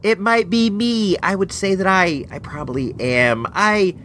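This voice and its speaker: A man's voice: sits high, unhurried, a little hiss or hum. A man hosting a podcast in a casual, joking ramble, all stuffed up and nasal from a cold. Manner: playful, rambling, animated. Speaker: podcast host. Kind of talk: casual comedic monologue.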